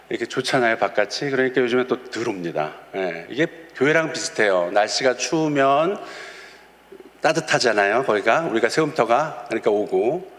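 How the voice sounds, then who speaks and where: Chuckling pastor in a reverberant church. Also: male voice, mid-range voice, a bit bright. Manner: storytelling with acted quotes of kids. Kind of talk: sermon. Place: church sanctuary.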